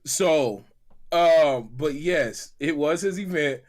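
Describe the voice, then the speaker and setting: A man chatting casually as a panelist on a gaming podcast, excitable and slangy, often wandering off on tangents. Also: on the high side, slow. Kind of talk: casual animated group chat.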